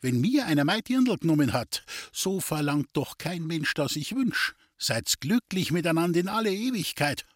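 A man's voice: fairly high pitch, very animated, normal speed, few pauses, no echo, studio quality, pitched above the performer's own voice. A man voicing a sly, scheming male vagabond trickster in an audiobook, coaxing and insistent in dialect. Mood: wheedling. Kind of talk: audiobook character reading.

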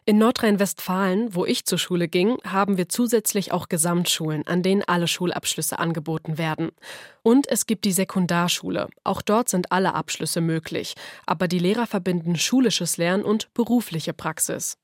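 A woman reporter from western Germany reading a scripted radio feature in an even way. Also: lowish voice, moderate pace, no echo, studio quality. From North Rhine-Westphalia, Germany. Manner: even, read-aloud delivery.

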